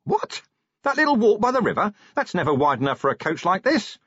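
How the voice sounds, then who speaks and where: A man voicing a gruff, middle-aged male watch commander from a storybook, exasperated and yelling in blunt disbelief. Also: high-pitched, very animated, takes it slowly, dry recording, muffled recording, voice pushed up, heavily acted. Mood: incredulous.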